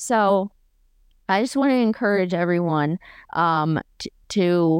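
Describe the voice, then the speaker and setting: A woman's medium-pitched voice with lively intonation at a very slow pace, over a quiet background. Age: 30s. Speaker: podcast host with visual impairment. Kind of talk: personal monologue. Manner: halting, many fillers.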